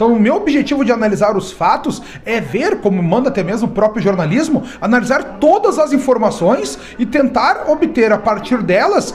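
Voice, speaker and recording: A man with an extremely high pitch speaks at a moderate pace, his voice making very wide pitch swings over noticeable background noise. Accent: Rio Grande do Sul. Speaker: political analyst. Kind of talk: interview.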